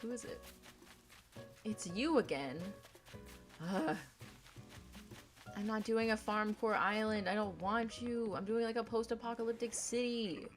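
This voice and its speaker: A young woman with a deep voice chatting casually on a gaming livestream, rambling in a playful, laid-back way. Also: measured pace, long pauses, soft background music. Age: young adult.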